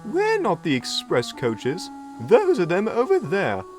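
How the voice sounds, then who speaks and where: A man putting on fussy, prim female coaches, pitched far above his own voice and shrill with affront. They sound easily startled and old-fashioned, with music playing behind. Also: wildly swooping pitch, takes it slowly, heavily acted. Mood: indignant.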